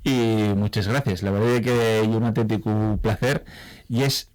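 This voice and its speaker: A man's voice: lowish voice, fairly even intonation, moderate pace. A man who hosts a radio interview, joking and praising in an easygoing way. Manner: warm, jokey, enthusiastic praise. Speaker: radio host. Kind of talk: casual interview talk.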